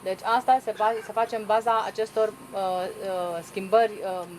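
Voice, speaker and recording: A woman's voice: mid-range voice, steady tone, a little mellow, slight background noise, low-quality recording. A woman interpreting a seminar aloud, hesitating and restarting as she translates. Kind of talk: consecutive interpreting.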